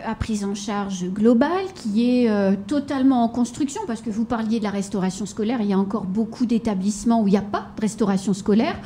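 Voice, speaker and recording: A woman interviews a guest on television in a slightly high, mellow voice. She asks her questions in a measured way and pauses to find her words. A faint noise runs under the recording.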